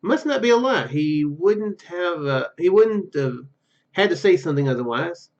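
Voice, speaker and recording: A male gaming host with a fairly high voice. He reads story text aloud and adds his own commentary. The recording is slightly dull and muffled. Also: animated, moderate pace. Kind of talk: let's play commentary, reading game text aloud.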